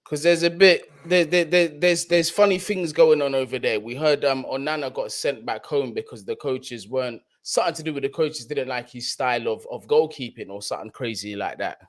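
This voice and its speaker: A young football channel host from London, England streams live and chats with viewers in relaxed, slang-filled talk, with a London accent and points repeated for emphasis. His voice sits at an ordinary middle pitch for a man, fairly quick with hardly any pauses.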